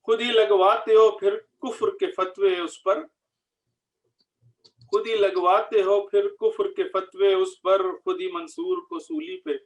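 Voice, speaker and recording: A man reciting a ghazal at a literary gathering in a measured manner, repeating each line. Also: sits high, rough recording. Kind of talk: slow Urdu ghazal recitation.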